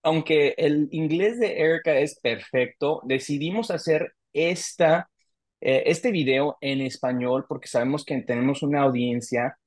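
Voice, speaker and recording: A man's voice: a little high, measured pace, no room sound. A man, hosting a casual interview over a video call and talking with many hesitations and restarts. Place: home office on a video call.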